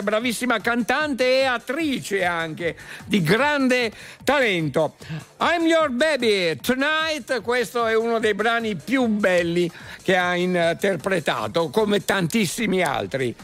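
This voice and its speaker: A man's voice: very high-pitched, slow pace, a bit bright. A man hosting a casual live radio show, bantering in a playful, emphatic and teasing way. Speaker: radio host. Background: music.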